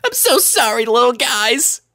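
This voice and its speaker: A woman's voice: fairly high pitch, sing-song, unhurried, fairly bright tone, pitched above the performer's own voice, full character voice. A woman voicing a tomboyish young female pony, earnest and a little awkward, in a cartoon storybook style. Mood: tearful apology. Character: tomboyish young female pegasus pony, guilty but protective. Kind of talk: cartoon fan fiction character voice.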